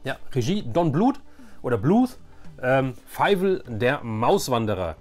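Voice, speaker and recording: A man in his forties hosts a casual nostalgic show-and-tell. He rambles at a medium pitch, hesitating and repeating himself, with faint music underneath. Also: big pitch swings, measured pace. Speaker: YouTube host showing childhood collections.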